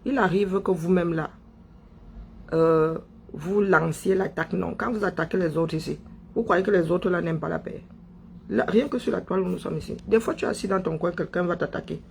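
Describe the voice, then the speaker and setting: A Cameroonian man, an online political commentator, delivers an impassioned monologue packed with rhetorical questions and phrases repeated for emphasis. His voice is high with vocal fry, his pace fairly quick, and there's slight background noise.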